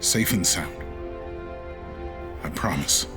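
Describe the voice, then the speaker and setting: A sci-fi audio drama spaceship captain, homesick and fiery. His delivery is measured and slow, with big melodic swings from hushed longing to outburst. Music plays clearly behind him. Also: low-pitched, expressive. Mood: pleading.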